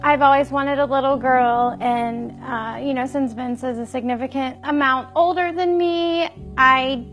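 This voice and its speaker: A woman's voice: high-pitched, steady tone, a little slow, few pauses, fairly bright tone, soft background music. A woman in her twenties speaking frankly and matter-of-factly in a documentary interview. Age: 20s.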